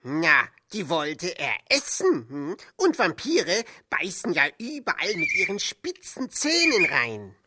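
A woman's voice: on the low side, huge pitch swings, takes it slowly, few pauses, sharp tone, slightly rough, exaggerated voice. A woman voicing an earnest, imaginative young male meerkat who explains things eagerly in a children's cartoon. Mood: explaining.

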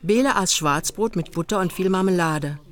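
An actress as the narrator of a literary radio play, telling the story in a measured, dry manner. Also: female voice, fairly low pitch, close to an everyday voice. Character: composed female storyteller of a literary honeymoon tale. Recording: studio radio play under loud music.

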